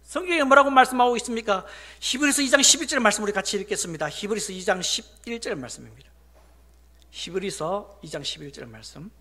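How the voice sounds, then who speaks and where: High bright-voiced preaching pastor. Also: male voice, big pitch swings, quick pace, breathy edge. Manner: swings from hushed whispers to loud emphatic preaching; acts out congregants and God in quoted lines. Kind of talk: sermon.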